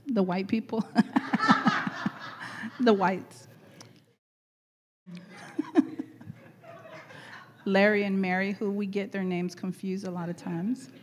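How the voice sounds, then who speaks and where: A middle-aged woman leading a church gathering, chatty and laughing often, her voice going hoarse. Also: mid-range voice. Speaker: church leader. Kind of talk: warm casual church greeting and exhortation.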